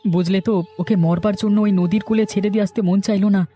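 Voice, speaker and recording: A man with a high-sitting, steady, mellow voice close to everyday speech talks quickly, playing a poor, tender-hearted fisherman husband in a cartoon story. His delivery is earnest, tender and exclamatory, with music playing under his voice.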